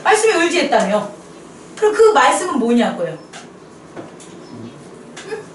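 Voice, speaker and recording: A woman preaches a sermon in a small church, her voice very high and animated as she keeps turning questions to the congregation. She slips English phrases in among her words. The sound is roomy and echoey, and she is a little way off the microphone. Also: measured pace, a little hiss or hum. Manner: lively questioning of listeners, mixes English phrases. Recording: echoey room, voice a bit far from mic.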